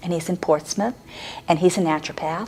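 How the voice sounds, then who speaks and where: A woman speaks at a fairly quick pace in a fairly low voice, with ordinary pitch variation. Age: 60s. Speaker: cancer survivor. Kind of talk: testimony. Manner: conversational with hesitations.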